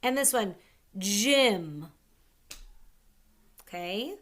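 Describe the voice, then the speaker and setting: A woman leads a reading lesson for young children with a bright, tense-edged voice set a little high. She talks slowly and sounds out each word with care, keeping an encouraging tone. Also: animated. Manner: slow, clear sounding-out of words; encouraging, upbeat teacher talk. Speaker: teacher. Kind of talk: early-grade reading lesson.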